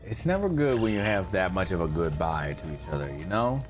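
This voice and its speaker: A man's voice: deep voice, very animated, brisk, faint music behind. A man streaming a video game live, reacting in a jokey way, echoing the game's lines and mumbling or trailing off.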